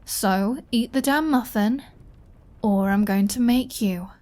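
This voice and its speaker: A woman plays a female vampire in an intimate roleplay audio drama, flirty, sardonic, and playfully bossy. Her unhurried delivery is teasing and dry, in a voice that's a little high with a darkish tone.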